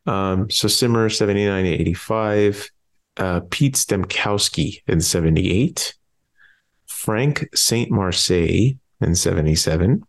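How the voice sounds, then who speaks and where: A man with a very low voice talks sports in an easygoing podcast chat. He sounds stuffy and is losing his voice, and he rattles off lists of names and years without hurry. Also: a little slow. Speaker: podcast co-host.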